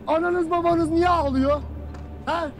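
An actor playing a harsh army commander who berates his soldiers, mocking them bitterly and shouting orders in a film drama. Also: extremely high pitch, steady tone, unhurried.

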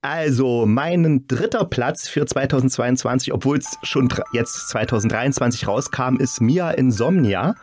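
A man's voice: medium pitch, moderate pace, few pauses, a little mellow, slight background noise. A man chatting casually as a podcast guest and critic, colloquial and enthusiastic in the way he talks.

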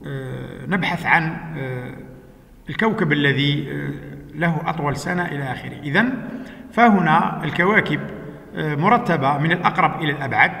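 A man teaching a lesson, working through exercises step by step with patient explanations and frequent "uh" pauses. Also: on the high side, vocal fry, bright, forceful tone. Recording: echoey room with long reverb.

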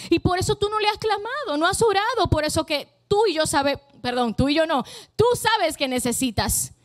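Woman preacher, fervent sermon, emphatic repetition, very high pitch, dry sound. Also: lively intonation, normal speed, no echo. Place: church.

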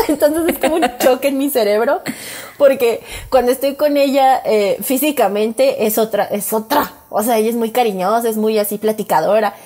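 A woman with a Mexican accent chats on a podcast in a bright, fairly high voice. She tells her stories with animation, acts out what people said, and laughs a lot along the way. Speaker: podcast co-host. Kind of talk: casual chat.

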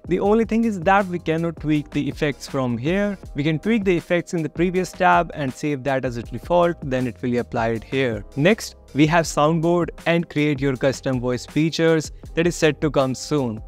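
A young man with a slightly raised pitch talks straight to camera in a dim home studio. He runs through a software review in an upbeat, friendly way. Soft music plays faintly underneath. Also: moderate pace, hardly any pauses. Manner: upbeat, friendly, walks through steps plainly. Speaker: tech reviewer, channel host.

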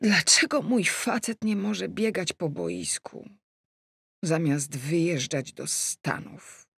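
Female audiobook narrator, wry and ironic, unhurried, very lively pitch, dry booth sound. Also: vocal fry, husky, no echo. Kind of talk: first-person audiobook narration.

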